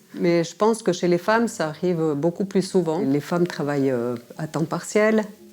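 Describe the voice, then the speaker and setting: Against noticeable background noise, a woman talks at a fairly slow pace with a fairly low pitch. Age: 60s. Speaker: interviewee, retiree. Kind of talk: personal testimony. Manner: hesitant, many fillers.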